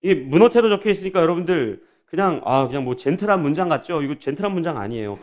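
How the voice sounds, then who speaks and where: Korean pastor preaching, lively and fairly high. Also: male voice, fast talker, dull audio. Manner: lively, colloquial preaching with mocking paraphrases. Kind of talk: sermon.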